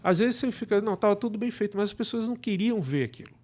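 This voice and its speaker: A middle-aged man with a Brazilian accent and a slightly high voice talks as a guest in a relaxed interview. He explains his work conversationally and often slips into imagined remarks to make a point. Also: very fast. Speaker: guest, director and cultural producer.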